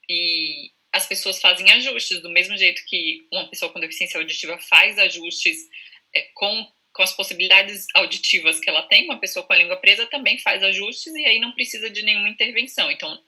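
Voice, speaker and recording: A woman's voice: lowish voice, pushed and bright, poor audio. A woman with a Brazilian Portuguese accent, a speech-language therapist patiently explaining speech over a video call and sounding out examples. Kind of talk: explanatory interview answers.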